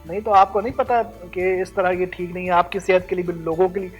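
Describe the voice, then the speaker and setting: A man hosts a talk show in an earnest tone, asking his guest questions and speaking straight to viewers. His pitch sits in the middle range for a man. Faint music plays underneath. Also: steady tone, slightly rough. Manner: earnest, addresses viewers directly. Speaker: co-host. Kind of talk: comedy talk show hosting. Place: TV studio.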